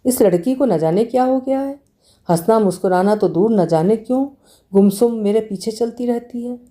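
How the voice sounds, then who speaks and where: A woman's voice: on the high side, normal speed, dark tone, voice pushed up, lightly acted. A woman voicing a worried middle-aged mother who grumbles and scolds her daughter. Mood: grumbling.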